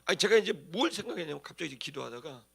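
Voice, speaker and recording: A man's voice: a little high, animated, rapid-fire, creaky, husky. A man preaching as a pastor, telling stories in a colloquial, dramatic way with acted-out emphasis. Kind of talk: animated sermon with storytelling.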